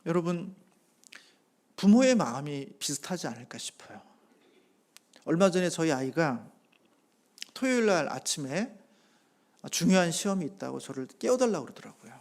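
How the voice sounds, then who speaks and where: High-voiced Korean pastor preaching earnestly. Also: male voice, big pitch swings, moderate pace, pauses often. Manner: earnest preaching, swelling loud on key phrases then dropping soft; tells a homely family story with acted-out quotes. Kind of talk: sermon.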